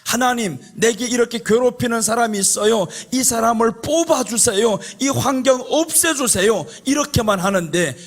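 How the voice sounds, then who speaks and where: A male pastor with a notably high-pitched voice delivers a sermon. He speaks conversationally but with passion, repeating key phrases for emphasis. He presses his points with rhetorical questions and direct exhortation. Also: moderate pace, hardly any pauses, soft background music. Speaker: pastor preaching at a prayer retreat.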